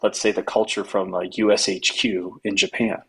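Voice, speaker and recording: A man's voice: on the low side, flat delivery, normal speed, breathy edge. A man raised in Latin America answering interview questions reflectively, building his points through rhetorical questions. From United States, raised in Latin America. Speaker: guest, culture consultant.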